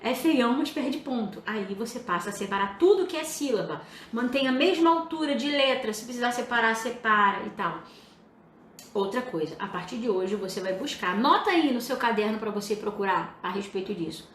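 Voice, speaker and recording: Lively woman teacher on a live stream. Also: fairly high pitch, a little fast. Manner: lively, emphatic, talks straight to students. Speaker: writing teacher. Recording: echoey room with faint hiss.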